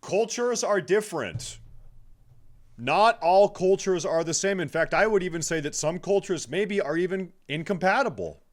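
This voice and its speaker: A man's voice: sits high, lively intonation, normal speed. A man streaming a reaction video, making blunt, crude, mocking comments in casual chat.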